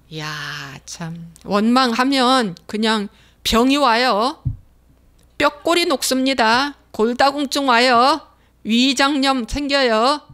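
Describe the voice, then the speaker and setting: Woman pastor, fervent sermon delivery, fairly high voice, drives points home by repetition. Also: a bit bright. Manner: emphatic, repeats key phrases; acts out complaining believers' voices.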